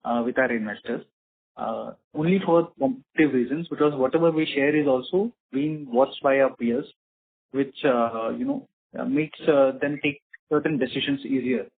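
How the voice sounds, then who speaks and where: A man with an Indian accent answers investor questions as a company executive. His voice is a little rough at a middling pitch, and his delivery is formal and measured. It comes through a narrow, thin phone connection. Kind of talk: earnings call question and answer. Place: conference call. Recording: muffled narrowband phone line, slightly rough.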